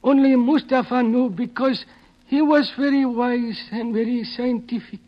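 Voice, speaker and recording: An actor in a 1950s radio drama playing a frightened, servile foreign henchman who speaks deferential, halting broken English on an old recording. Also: extremely high pitch, steady tone, lo-fi sound. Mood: deferential, explaining.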